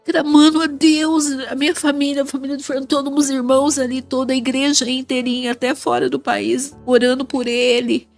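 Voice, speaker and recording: A woman's voice: sits high, flat delivery, fairly quick, gravelly, few pauses, soft background music. A woman with a Brazilian Portuguese accent giving an emotional faith testimony as a mother, crying and repeating her phrases. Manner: tearful, repeats phrases, raises voice in bursts.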